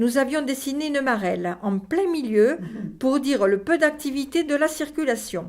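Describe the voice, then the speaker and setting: Lively, high-pitched female speech at a moderate pace. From southwest France, Gers (Auch). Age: 60s. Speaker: elderly resident sharing memories. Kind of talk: reading aloud.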